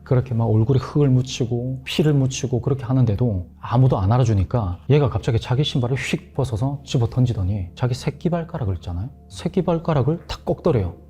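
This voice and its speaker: A man telling a ghost story in a hushed, dramatic way on a horror talk show, sometimes dropping to a murmur. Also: medium pitch, fast talker, few pauses, soft background music.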